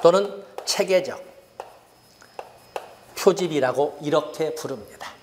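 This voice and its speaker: A man's voice: a little high, slow pace, darkish tone, a little hiss or hum. A middle-aged man giving an exam-prep lecture, repeating key terms as he writes them on the board.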